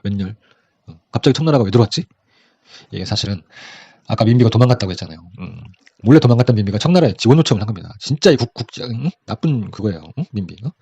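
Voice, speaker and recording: A man rattles through a history lesson at a very fast clip and keeps a breezy, chatty tone. His voice is dark and a little husky. The recording is dry and muffled, with a lo-fi sound. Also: fairly low pitch, animated, no echo. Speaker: history lecturer. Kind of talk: casual exam-prep history lecture.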